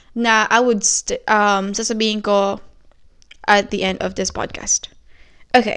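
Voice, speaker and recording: A woman with a Filipino accent, fairly slow and monotone, with flat intonation and long, frequent pauses. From Philippines. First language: Tagalog. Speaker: podcaster. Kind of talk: casual monologue.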